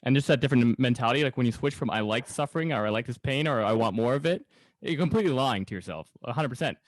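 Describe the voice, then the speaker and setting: Guy podcast host, talks quick, kinda rambly and repeats words, dry clean room. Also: medium pitch, expressive, no echo. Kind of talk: casual podcast chat.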